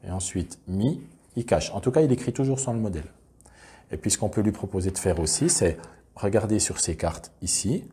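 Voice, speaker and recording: A man with a low, mellow voice gives a patient classroom demonstration in a teacher's measured tone. He explains each step methodically and plainly, without hurrying. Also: animated. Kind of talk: instructional demonstration.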